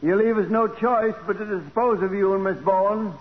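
An actor playing a smug, scheming older gunman in a 1940s radio crime drama, with formal, deliberate threats. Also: high-pitched, close to an everyday voice. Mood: smugly menacing. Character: scheming older crook called Pops, smugly menacing gunman. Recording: muffled, lightly noisy 1940s radio recording.

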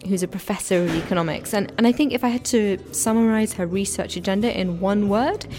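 A woman's voice: mid-range voice, a little fast, darkish tone, faint music behind. A woman presenter who describes her surroundings as she walks, then asks conversational interview questions.

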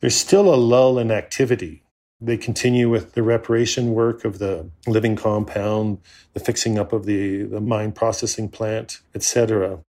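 A man's voice: lowish voice, fairly even intonation, normal speed, a little mellow. A man in an interview, describing and explaining in a conversational way.

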